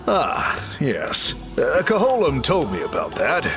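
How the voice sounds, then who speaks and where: A man's voice: medium pitch, wildly swooping pitch, heavily acted. A man playing a gracious, slightly awkward towering tribal chief in a video game, speaking hesitantly and reassuringly. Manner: hesitant, measured, gently reassuring. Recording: clear music behind.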